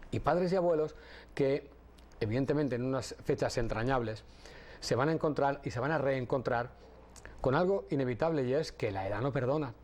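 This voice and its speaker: A middle-aged man from Catalonia, a guest audiologist on a TV talk show, explaining things in a measured way with some hesitant restarts. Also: mid-range voice, darkish tone. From Catalonia, Spain. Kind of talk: TV interview.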